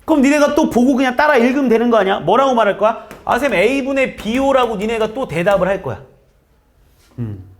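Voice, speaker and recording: High-voiced casual math teacher. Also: male voice, animated, fast. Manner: casual, talks directly to students, acts out their answers. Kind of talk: classroom math lecture.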